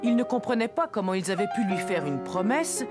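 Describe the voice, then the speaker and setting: A woman's voice: medium pitch, sing-song, brisk, over loud music, close to an everyday voice. A woman playing a kindly narrator, reading scripted story narration for young children in a French cartoon.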